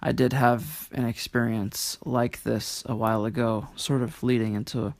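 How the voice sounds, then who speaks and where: A man with a mid-range voice full of vocal fry answers as an interview guest. He is reflective and a little formal, halting and doubling back on words. The sound is dry, with no room echo. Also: medium pitch, steady tone. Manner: halting, stammering, repeats words, somewhat formal wording.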